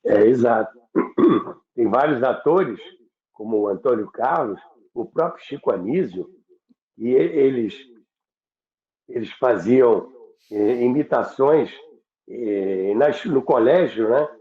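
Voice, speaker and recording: The sound is muffled like a phone line, with noticeable room echo. An older man talks at a middling pitch. He reminisces conversationally, halting and repeating words as he goes. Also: lively intonation. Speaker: radio veteran and program host. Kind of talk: reminiscing conversation about radio history.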